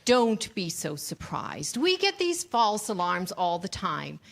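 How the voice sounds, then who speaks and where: A woman's voice: mid-range voice, very animated, slow, gravelly, a bit bright, exaggerated voice. A woman playing a seductive, manipulative Hollywood producer with a condescending streak in a staged reading. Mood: dismissive, condescending.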